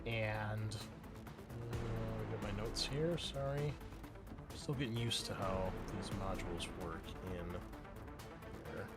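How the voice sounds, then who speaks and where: A man working as game master, narrating a tabletop horror game in vivid, gory detail with dramatic pauses. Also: lowish voice, loud music behind the voice.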